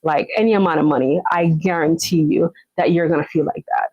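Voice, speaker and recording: Woman, live chat host, motivational and chatty, low-set voice, dry close sound. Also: fairly even intonation, a little fast, breathy edge, no echo, highs cut off. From Jamaica. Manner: encouraging, repeats herself, often checks in with okay.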